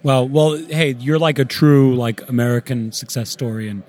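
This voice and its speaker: A man's voice: mid-range voice, moderate pace, darkish tone. A man co-hosting an interview podcast with casual, informal and encouraging banter. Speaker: podcast co-host.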